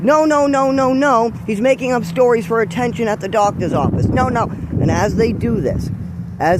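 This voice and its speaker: Set against noticeable background noise and audible room echo, a man talks at a moderate pace in a high pitch. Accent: American. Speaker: vlogger. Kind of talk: personal rant. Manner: animated.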